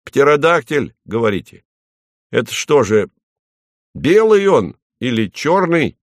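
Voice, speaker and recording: A man voicing a blunt, boorish middle-aged male official who talks gruffly and plainly. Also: mid-range voice, very animated, takes it slowly, no echo, studio quality, voice pushed up. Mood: grumbling.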